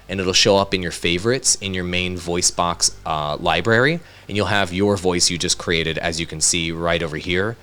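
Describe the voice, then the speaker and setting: A man presenting a casual software tutorial in an upbeat, conversational way, speaking directly to viewers into a studio microphone. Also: deep voice, smooth. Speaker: tutorial host, content creator. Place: home studio.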